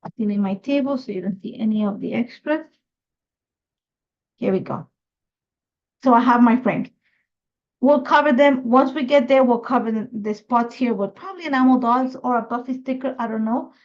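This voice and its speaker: A woman's voice: on the high side, moderate pace, long pauses. Woman, from Ecuador, live scrapbooking host, chatty, muffled lo-fi sound. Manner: chatty, thinking aloud while working. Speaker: craft host.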